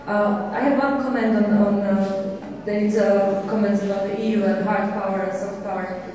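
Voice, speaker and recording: A woman's voice: medium pitch, fairly even intonation, moderate pace, crowd noise. Direct woman in a big echoey hall. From Slovakia. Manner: direct, opinionated. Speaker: panelist. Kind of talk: panel discussion. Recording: echoey hall, distant mic, audience.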